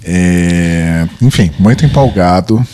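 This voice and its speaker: A man's voice: sits low, slow. A young man from Brazil with a cold, co-hosting a podcast in playful, chatty talk and reading listener emails aloud. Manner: playful, chatty, reads at a steady pace. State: has a cold. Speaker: podcast co-host.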